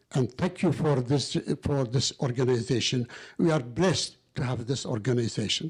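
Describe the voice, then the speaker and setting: This man's voice is somewhat breathy. He speaks at a moderate pace with ordinary pitch variation. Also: medium pitch for a man. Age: 80s+. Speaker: community elder, audience member. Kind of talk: audience speech.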